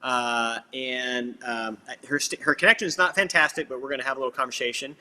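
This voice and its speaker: A man hosting a casual livestream, reacting with quick laughs and plenty of wows. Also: mid-range voice. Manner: animated, laughs readily, reacts with "wow". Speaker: livestream host.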